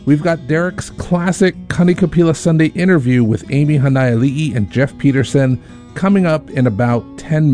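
A man hosting a radio program, reading scripted announcements in a smooth, measured way. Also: a little high, mellow.

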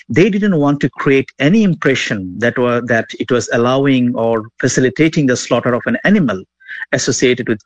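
A man from Bangladesh, a journalist joining a news programme live, speaking hesitantly with many pauses and restarts. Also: mid-range voice, dry recording. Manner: hesitant with frequent uh fillers and restarts. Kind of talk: live remote news interview.

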